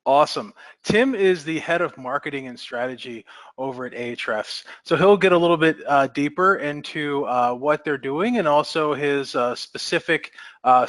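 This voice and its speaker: A man's voice: on the high side, fairly bright tone, dry recording. A man moderating a webinar, giving upbeat announcements full of fillers. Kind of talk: webinar hosting.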